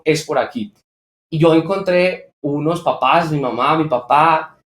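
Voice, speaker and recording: A young man from Colombia's coffee region with a Colombian accent, answering interview questions with stories as a guest on a video call. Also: on the high side. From Coffee Axis region, Colombia. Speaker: award-winning social entrepreneur, guest. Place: indoors on a remote video call. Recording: roomy echo on a video call.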